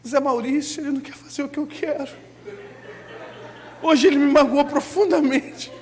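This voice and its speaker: A man voicing God the Father as hurt and grieving, with a soft, wounded complaint, inside a sermon. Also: very high voice, fairly even intonation, normal speed, in a large hall. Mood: hurt, sad.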